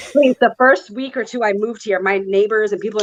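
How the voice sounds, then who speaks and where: Speaking at a fairly quick pace, a woman with a fairly high pitch talks in a New York accent. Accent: New York accent, still noticeable. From New York, Queens, Nuyorican. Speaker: pro wrestler. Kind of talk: casual chat. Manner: loud.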